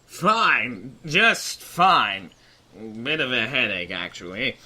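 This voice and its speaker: A man playing a chipper, courtly gentleman adventurer with polite, flowery talk in a comic fantasy audio drama. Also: mid-range voice, sing-song, takes it slowly, heavily acted. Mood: stiff, pained.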